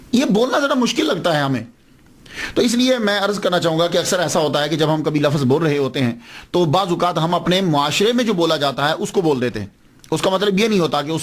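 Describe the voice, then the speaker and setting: A man giving a religious lecture as a scholar, explaining step by step and asking questions he then answers. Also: a little high. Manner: slows down to spell out names and words. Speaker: Islamic scholar.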